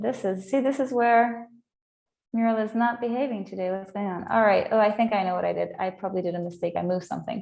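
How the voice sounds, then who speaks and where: A woman's medium-pitched voice with an Italian accent and ordinary pitch variation. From Switzerland, Lugano (Italian-speaking south). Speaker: head of culture and collaboration, facilitator. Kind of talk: online presentation / webinar talk. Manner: casual, hesitant with fillers.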